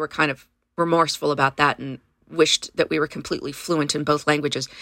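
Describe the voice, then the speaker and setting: In a Californian accent, a woman talks at a fairly quick pace with a very deep, low pitch, ordinary pitch variation and a bright, sharp tone. The sound is dry and close with no echo. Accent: general American, Californian. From Central California. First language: Spanish. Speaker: actor and theater artist. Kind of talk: interview conversation. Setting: remote call.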